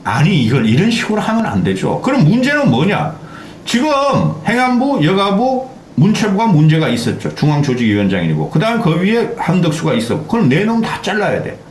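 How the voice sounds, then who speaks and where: Older guy going off on a furious political rant, high voice jumping all over, echoey room. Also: huge pitch swings, a little fast. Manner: heated, swearing, repeatedly interjecting "eh?". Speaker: political commentary host. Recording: echoey room with faint background noise.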